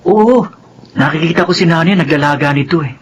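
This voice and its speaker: Resentful, pushy twin son, played by a young actor, sulky, with a slightly high voice and a dull, muffled sound. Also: male voice, fairly quick, background noise, lightly acted.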